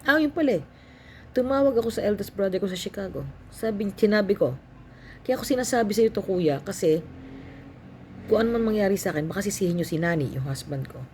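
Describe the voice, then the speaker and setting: An older woman with a Filipino accent tells a personal testimony of her illness in a calm, matter-of-fact way, acting out the voices of others. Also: medium pitch, quick pace, pauses often, slight background noise. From Philippines. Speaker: cancer survivor sharing her story.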